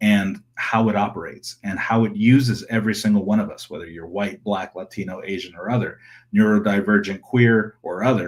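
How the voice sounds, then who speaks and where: Speaking at a fairly quick pace with hardly any pauses, a man with a fairly low pitch has a normal speaking voice, captured on a very clean recording with a silent background. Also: fairly even intonation, big swings in loudness. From Los Angeles, California. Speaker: decolonial technologist. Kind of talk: interview.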